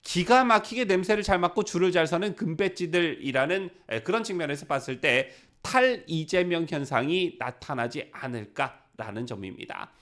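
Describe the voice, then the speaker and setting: Guy doing political news commentary, kinda high voice, really animated up and down, throws questions at viewers. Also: normal speed, few pauses. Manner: lively, rhetorical questions to viewers.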